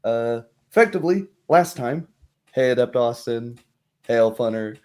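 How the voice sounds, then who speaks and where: A tired man chatting casually as game master and host of a livestreamed tabletop game, giving a recap in a halting way. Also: medium pitch, expressive, a little mellow.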